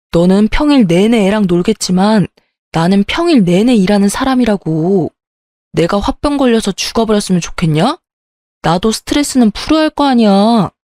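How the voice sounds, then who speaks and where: A woman's voice: mid-range voice, a little mellow, dry recording, studio quality, lightly acted. A woman voicing an irritable, selfish young husband who whines and defends himself. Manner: whiny, defensive, sighing.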